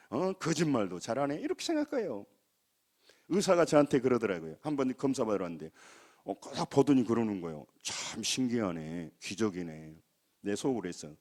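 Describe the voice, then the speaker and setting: Emphatic Jeolla-accented pastor preaching. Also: male voice, a little high. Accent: Jeolla Korean. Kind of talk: sermon.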